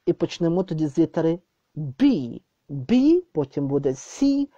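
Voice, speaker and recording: Lively woman tutoring in a lo-fi recording. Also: low-pitched, no room sound. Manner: repeats example phrases slowly and translates them. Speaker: English tutor. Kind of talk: casual recorded lesson. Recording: dull lo-fi dry recording.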